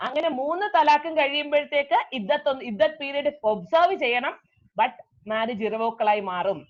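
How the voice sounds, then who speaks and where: High-voiced woman lecturing on law. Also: dull audio. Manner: explanatory, repeats key terms, slow deliberate English phrases. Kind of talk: law lecture mixing English and Malayalam.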